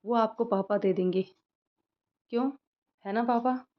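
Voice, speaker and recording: A woman's voice: on the high side, a little slow, lightly acted. A woman voicing a cheeky teasing young daughter. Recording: slightly muffled lo-fi recording.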